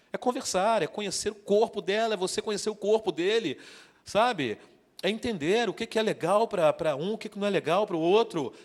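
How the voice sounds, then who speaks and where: A man preaching from the front of a church, his voice sitting a little high for a man. He keeps things light and joking, pulls the congregation into repeating lines, and the long reverb of the hall hangs behind every phrase. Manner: joking, interactive, calls out to the congregation. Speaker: guest preacher. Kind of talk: sermon.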